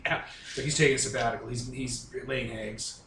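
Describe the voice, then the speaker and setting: A man's voice: medium pitch, fairly even intonation, brisk, sharp tone. A man working as game master, improvising narration and rulings in a casual, conversational way. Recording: roomy, distant, noisy home recording.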